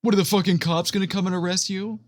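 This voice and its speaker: A woman's voice: medium pitch, steady tone, quick pace. A woman co-hosting a comedy podcast, sardonic and profane, laughing often as she mocks a film. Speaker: podcast co-host. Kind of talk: casual comedic chat about a film.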